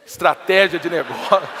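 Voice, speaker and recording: A man's voice: high-pitched, background noise. A middle-aged Brazilian man with a countryside Minas Gerais accent, telling his life story to a live audience in a chatty, anecdotal way. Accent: Brazilian Portuguese, countryside Minas Gerais. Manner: anecdotal, acts out quoted dialogue, chatty asides. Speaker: entrepreneur giving a talk. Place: stage in a large hall before an audience. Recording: reverberant hall.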